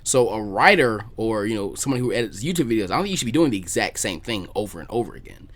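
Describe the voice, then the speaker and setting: A man's voice: fairly low pitch, animated, quick pace, a bit bright. A man hosting a casual podcast chat, talkative and informal, repeating words as he thinks aloud. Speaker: podcast host, video creator.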